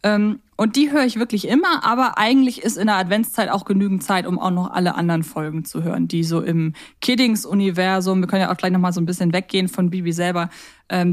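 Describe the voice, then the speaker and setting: A woman's voice: on the low side, fairly even intonation, fast talker. A woman chatting casually as co-host of a fan podcast.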